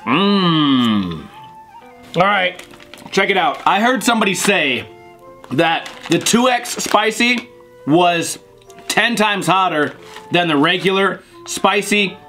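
A man's voice: high-pitched, lively intonation, takes it slowly, bright, forceful tone, faint music behind. A young man hosting a casual food review vlog from his living room couch, blunt and crude with jokey asides, recorded by a tripod camera. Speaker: host.

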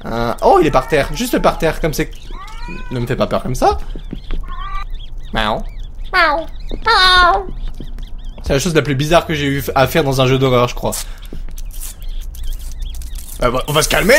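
A man commentating a horror game as he plays it, jokey and excitable, talking to himself. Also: on the high side, a little fast, slight background noise. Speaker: let's play host.

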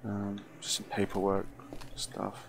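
A man's voice: fairly low pitch, monotone, takes it slowly. A man giving casual first-impressions commentary on a game, musing aloud hesitantly and often trailing off. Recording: clearly noisy recording.

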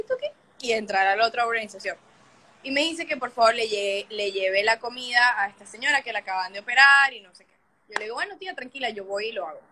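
A woman's voice: a little high, bright, forceful tone. A young woman, hosting a livestream and telling a story casually and animatedly, swearing often and acting out the scenes. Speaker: livestream host.

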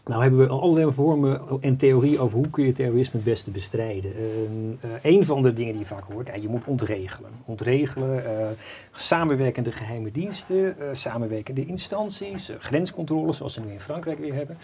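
Fast-talking male interviewer. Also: mid-range voice, warm tone. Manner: quick, probing, with frequent short affirmations. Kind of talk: conversational interview.

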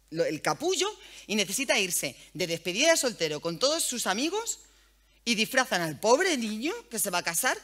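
Before an audience in an event hall, a woman journalist and radio host delivers a spirited talk. She speaks frankly and colloquially, swears freely and stays animated, her bright voice leaping in pitch with the energy of a long-time radio host.

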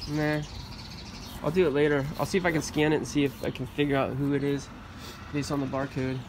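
Man, 40s, casual reseller host, curious and talkative, outdoor phone-camera sound with steady traffic noise. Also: on the high side, fairly quick. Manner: chatty, curious, appraising finds aloud. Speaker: storage locker reseller, channel host. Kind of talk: casual unboxing chat. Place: outdoors on a sunny trailer by storage units.

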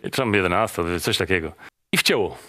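Fast-talking Polish man telling stories. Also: sits low. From Poland. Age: middle-aged. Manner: animated, acts out quotes of others in his stories. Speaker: guest, former footballer. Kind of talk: anecdotal storytelling.

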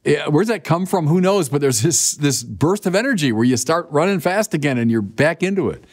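Speaking a little fast, a bishop in his sixties gives a lively, chatty sermon with direct appeals, his pitch rising and falling freely as he addresses the listeners. A close lapel mic records him in a quiet indoor studio.

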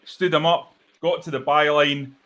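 A man in his thirties, hosting a live football reaction show from home over a video call, excitable and chatty with a croaky voice. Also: fairly high pitch, unhurried. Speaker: host. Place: home room, indoors. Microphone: webcam video call.

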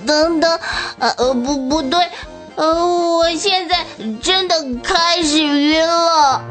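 A woman's voice: very high voice, steady tone, slow pace, fairly bright tone, soft background music, full character voice. A woman voicing a small, bookish, fussy ant in a children's radio drama, nervous and hesitant with stammers. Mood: anxious.

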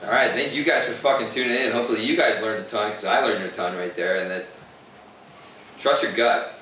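Young man, podcast host, low voice, fast, profane bro slang, echoey living room. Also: bright, forceful tone, slight background noise. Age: young adult. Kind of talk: casual podcast chat. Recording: echoey room, mic far off.

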